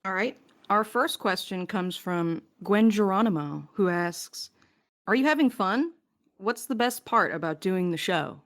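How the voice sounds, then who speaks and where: A woman's voice: mid-range voice, animated, unhurried. A woman hosting a casual question-and-answer chat with her podcast crew. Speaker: podcast host, producer and voice actor.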